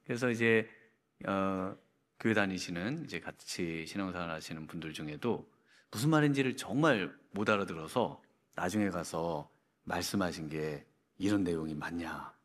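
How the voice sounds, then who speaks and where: Male pastor, middle-aged, low-ish, conversational sermon with frequent fillers, echoing sanctuary. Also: lively intonation, moderate pace. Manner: conversational storytelling with many fillers. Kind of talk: Friday prayer meeting sermon. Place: church sanctuary. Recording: church hall reverb.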